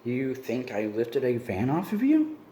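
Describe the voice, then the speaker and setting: A cold, guarded teenage boy , read out by a man in a mellow, everyday voice, snaps back short, dismissive answers. The reading echoes in a roomy space. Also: mid-range voice, huge pitch swings, a little slow, slight background noise. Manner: clipped, cutting replies.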